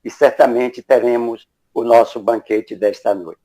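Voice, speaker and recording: A man's voice: mid-range voice, fairly even intonation, a little slow, dark tone, rough recording. A man with a Brazilian accent, formal and reverent, hosting a religious gathering with solemn prayer and courteous welcomes. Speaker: host leading the opening prayer.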